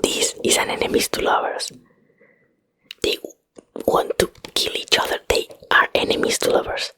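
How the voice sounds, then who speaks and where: A woman's voice: normal speed, bright, forceful tone. Whispering woman with a Spanish accent. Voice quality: breathy unvoiced whisper. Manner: hesitant, rambling, searching for English words. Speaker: ASMR video host. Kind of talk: whispered ASMR ramble, casual chat. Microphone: close microphone.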